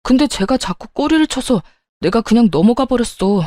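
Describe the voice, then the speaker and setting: A woman's voice: a little high, expressive, normal speed, dark tone, no echo, clean studio sound, lightly acted. A woman voicing a cowardly cheating husband who pleads and grovels. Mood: pleading.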